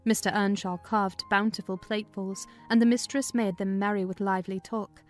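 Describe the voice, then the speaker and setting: A woman's voice: medium pitch, fairly even intonation, normal speed, faint music behind. A woman narrating a classic novel as a dramatized audiobook.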